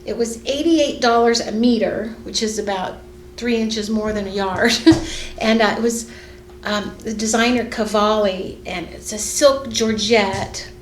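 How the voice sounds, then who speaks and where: Middle-aged woman designer, casual rambling studio chat, slightly high voice, roomy echo. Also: steady tone, a little slow, a little hiss or hum. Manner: chatty, rambling, many fillers and restarts. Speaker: fashion designer and sewing vlogger. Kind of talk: casual chat while sewing. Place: sewing studio indoors. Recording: echoey room with faint ambience.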